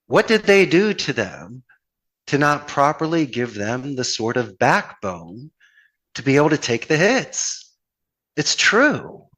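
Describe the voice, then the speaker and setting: A man's voice: mid-range voice, sing-song, takes it slowly, fairly bright tone, rough recording. A man from Philadelphia with a Philadelphia accent, talking as a podcast guest in an earnest, flowery, motivational way with plenty of rhetorical questions. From Philadelphia, United States. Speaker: podcast guest, call center owner. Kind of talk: conversational podcast interview, motivational anecdotes.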